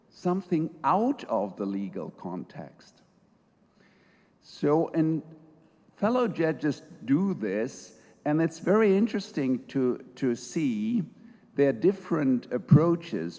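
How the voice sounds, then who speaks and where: A middle-aged man, a judge speaking at an academic conference, talking slowly and thoughtfully with many pauses and fillers. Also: mid-range voice, a little mellow. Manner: slow, thoughtful, hesitant with fillers. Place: large lecture hall. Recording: reverberant lecture hall.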